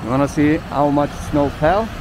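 A man's voice: a little high, normal speed. A man with a slightly raised voice leads a casual walking tour, chatting and joking with his viewers. He is recorded outdoors on a camera mic as he walks, with faint traffic behind him. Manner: chatty, jokey asides to viewers. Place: outdoors on snowy city streets.

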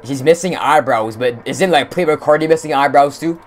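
A young man casually commentating on a game stream, using slang and talking excitedly to his chat. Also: fairly high pitch, normal speed. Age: young adult. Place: indoor room at streaming setup.

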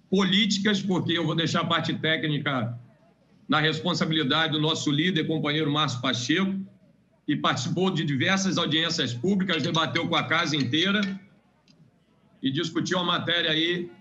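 A male lawmaker delivering a formal speech on the chamber floor, pressing his points and repeating them for weight. His voice sits high and sounds bright and forceful. The broadcast audio is somewhat dull and lo-fi. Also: moderate pace. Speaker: state legislator. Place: legislative chamber.

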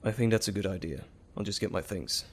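A man's voice: on the low side, quick pace, vocal fry. A man playing an anxious, caring doctor in an audio drama, earnest and soothing. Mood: hurried.

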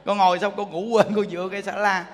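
A man's voice: sits high, flat delivery, fast talker, lightly acted. A man voicing an elderly woman temple visitor who sheepishly confesses her bad luck, in an echoing hall. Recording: long hall reverb.

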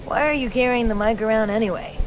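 A performer playing Kay, a mischievous, defensive young mechanic. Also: male voice, high-pitched, fast talker, slight background noise, close to an everyday voice, low-quality recording.

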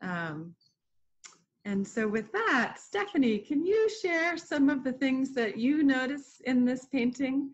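A woman's voice: high-pitched, expressive, slow. A middle-aged woman presenting an informal educational art lesson for children from a room at home over a video call. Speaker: museum educator hosting an online art lesson. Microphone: computer mic on a video call. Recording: dull, lo-fi video call audio.

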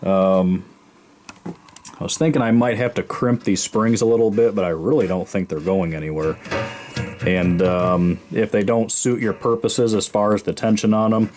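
A man's voice: on the low side, moderate pace. A middle-aged man giving a casual, rambling hands-on review of a model airplane in his home workshop, talking through a camera mic with lots of fillers. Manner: relaxed, rambling, many fillers.

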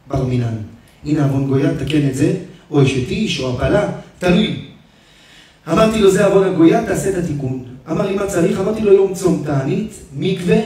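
High-voiced preacher in an echoey hall. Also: male voice. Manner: dramatic preacher, swings from loud to hushed. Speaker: rabbi giving a lesson. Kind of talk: emotional sermon with storytelling. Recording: echoey hall, speaker far from the mic.

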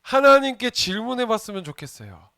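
A man's voice: very high-pitched, sing-song, fairly quick, gravelly, bright, forceful tone, smooth, no echo, clean studio sound. A man, a junior pastor, giving a playful children's sermon and asking the kids questions as he goes. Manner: playful, asks the children questions and jokes with them.

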